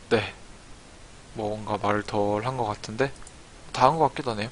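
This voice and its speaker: This man's pitch falls in the medium range. His delivery keeps a moderate pace. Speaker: statistics tutor. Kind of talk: tutorial. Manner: casual, hesitant.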